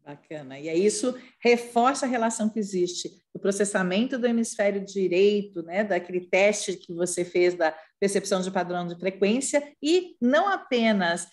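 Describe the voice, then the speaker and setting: A woman's voice: mid-range voice, animated, normal speed, hardly any pauses. A woman from Brazil, a speech therapist moderating a roundtable with patients, explaining and often adding "né?" tags.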